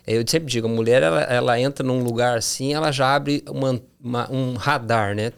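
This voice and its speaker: A man with a gravelly, fry-tinged voice talks casually about communication on a Christian talk show. He is lively and animated, leaping up in pitch whenever he acts out someone else's voice. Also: a little fast.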